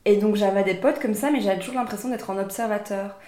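A woman hosting a podcast interview, chatty and relaxed, asking long rambling questions. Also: medium pitch, fast. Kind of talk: casual interview. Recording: roomy echo.

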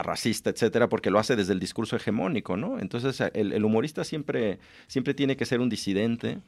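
A man from Mexico whose accent mixes Mexican and Spain Spanish, a guest on a radio show, explaining his ideas at length with self-deprecating humor. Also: on the low side. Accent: Mexican mixed with Spain. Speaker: radio guest, writing workshop teacher. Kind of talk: radio interview. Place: radio studio.

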